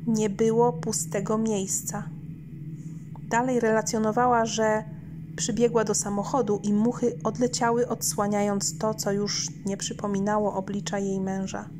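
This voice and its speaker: A woman's voice: medium pitch, background noise. A woman reading a scripted first-person horror story as an audiobook narrator. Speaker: audiobook reader. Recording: lo-fi home audiobook recording.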